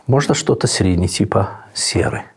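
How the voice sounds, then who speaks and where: With Italian as his first language and no Russian, this man, an Orthodox priest and monk, answers interview questions slowly and reflectively, pausing frequently. His voice is lowish, expressive and gravelly.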